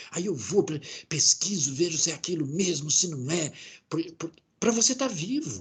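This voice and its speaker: A high-voiced man talks with lively intonation, keeping a moderate tempo. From Brazil, Santos (São Paulo coast). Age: 70s. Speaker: voice actor. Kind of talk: podcast interview. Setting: remote call.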